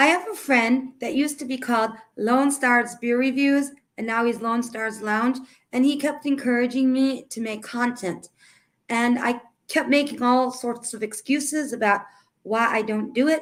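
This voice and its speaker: At a moderate pace, a woman with an American accent speaks in a high pitch with fairly even intonation. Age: 40s. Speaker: youtuber. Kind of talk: casual chat.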